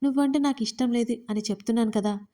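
A woman doing an anguished young heroine for an audio drama, stammering and shaky. Her voice sits high but sounds soft and mellow. She stays defiant throughout. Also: fast, natural voice. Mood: angry. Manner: trembling, stammering speech.

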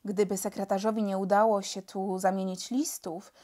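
A woman's voice: medium pitch, level tone, normal speed, lightly acted. A woman reading a storybook, voicing a courteous, mild-mannered male spy chief. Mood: explaining. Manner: mild, courteous, gentle-spoken. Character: elegant polite male spy chief, calm.

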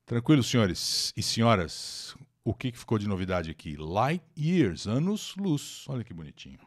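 On a new microphone, a Brazilian man leads an English lesson live, reading out an article and translating it. He's chatty, welcomes viewers by name, and breaks down words and how to pronounce them, speaking at normal speed in a lowish, very animated voice.

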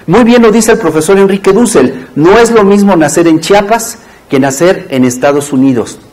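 A high-voiced man teaches a workshop with plenty of animation. He jokes with the room and keeps addressing his listeners as comrades. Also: rough recording. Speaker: workshop instructor. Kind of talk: lively classroom lecture.

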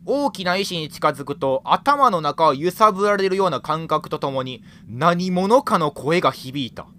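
A man's voice: on the high side, lively intonation, normal speed, fairly bright tone. A young man with a Kansai accent, chatting casually as he plays a game, exclaiming and laughing at what he finds. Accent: Kansai Japanese. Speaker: game streamer.

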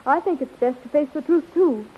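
A woman's voice: high-pitched, fairly quick, close to an everyday voice. A woman acting an anxious young heroine in a 1930s radio serial, fretful and pleading with melodrama. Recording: tinny, narrow 1930s radio recording.

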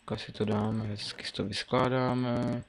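A man's voice: medium pitch, flat delivery, a little hiss or hum. A young man in his late teens casually commentating his own gameplay, mumbling and thinking aloud as he plays, with keyboard and mouse clicks behind him. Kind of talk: casual Let's Play commentary.

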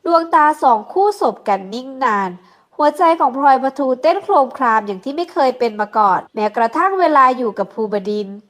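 A woman reading a romance novel aloud in steady, scripted narration. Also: high-pitched, a little fast. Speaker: audiobook narrator.

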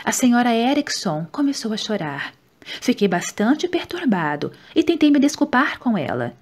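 A woman with a Brazilian Portuguese accent, reading a nonfiction book aloud in a steady, measured way. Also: a little high. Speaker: audiobook reader. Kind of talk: scripted audiobook narration.

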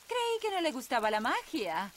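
A woman's voice: high-pitched, huge pitch swings, moderate pace, a little hiss or hum. A woman voicing a confident, bossy fairy nanny in a Latin American Spanish cartoon dub, with a theatrical manner. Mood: confident, dry.

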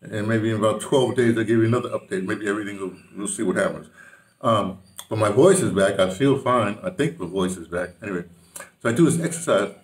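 A man's voice: on the low side, fairly quick, recorded from a distance. An older man giving a casual, rambling health update to his camera in a small bedroom, often restarting his sentences. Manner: rambling, with many restarts and fillers. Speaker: vlogger. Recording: roomy echo, voice from off the mic.

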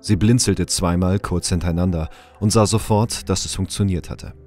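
A man's voice: sits low, steady tone, moderate pace, a little mellow, soft background music. A man giving scripted narration for an audio drama.

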